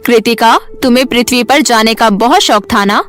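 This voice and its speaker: A woman voicing a stern, imperious serpent queen who makes formal, commanding pronouncements in an animated story. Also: a little high, moderate pace, faint music behind, close to an everyday voice.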